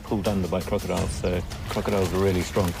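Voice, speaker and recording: A man's voice: sits low, little pitch movement, very fast, gravelly, over loud music. A man giving unscripted expert commentary in a nature documentary, in informal, hesitant phrasing. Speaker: wildlife field expert.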